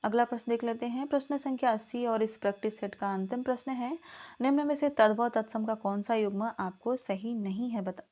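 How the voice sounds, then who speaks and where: A woman teaching Hindi literature in an exam practice lesson, reading out questions and options and then explaining the answers in a measured way. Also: a little high, muffled recording. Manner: signs off warmly asking viewers to comment.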